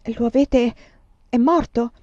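A woman's voice: mid-range voice, measured pace, darkish tone, dry recording, muffled recording, natural voice. A woman voicing a frightened young woman who asks anxious, insistent questions.

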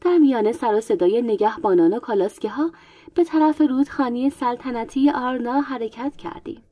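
Woman reading a story out loud, calm and soft, mellow voice a bit high, dry close mic. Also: no room sound. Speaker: audiobook narrator. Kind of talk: first-person storytelling narration.

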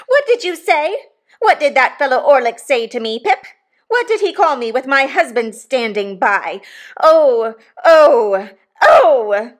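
A woman voicing a violent, shrewish wife, shrill and theatrically indignant, in a storybook reading. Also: big pitch swings, moderate pace, few pauses. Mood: hysterical fury. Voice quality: shrieking, shrill. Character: violent shrewish married woman, scolding and easily enraged.

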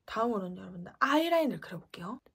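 Playful husky young woman vlogger. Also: mid-range voice, very animated, racing. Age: 20s. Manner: playful, switching between whispers and bright exclamations. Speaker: beauty vlogger. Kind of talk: makeup tutorial voice-over.

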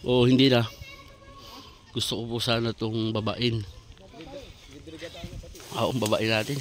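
A man's voice: medium pitch, slight background noise. Polite man touring riverside land. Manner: polite, chatty, points things out. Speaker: vlogger showing land for sale. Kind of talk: casual walking tour narration. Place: outdoors by a river on farmland.

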